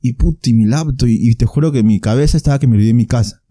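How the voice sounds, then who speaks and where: Brief: young Peruvian man, quick lively storyteller, dark voice, dry sound. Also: medium pitch, no echo. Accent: Peruvian Spanish. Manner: animated, laughing, acts out quotes. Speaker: podcast guest. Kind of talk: casual storytelling.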